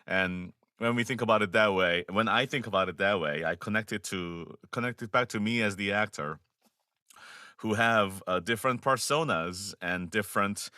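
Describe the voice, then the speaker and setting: A man with a Korean accent, a voice actor giving measured, thoughtful interview answers with frequent pauses and restarts. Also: on the low side, pushed and bright, no room sound, studio quality. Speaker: voice actor guest.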